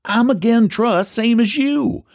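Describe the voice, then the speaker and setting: A man's voice: very high voice, a little slow, darkish tone, dry recording, studio quality, pitched above the performer's own voice. A man voicing a scheming, homespun rural American pie baker, folksy and persuasive, in a storybook reading. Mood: argumentative.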